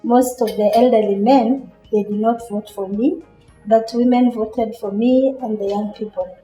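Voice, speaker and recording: A woman's voice: on the high side, fairly even intonation, a little slow, dark tone. A woman with a Kenyan accent giving interview testimony for a documentary, as someone who stood for election. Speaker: election candidate and former social worker. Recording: roomy echo, faint music behind.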